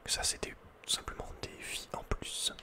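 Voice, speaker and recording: A man whispers every word, breathy and without voicing, right into the microphone for ASMR. He chats about the video game he's playing in a slangy, relaxed way, frequently muttering to himself, at a normal speed.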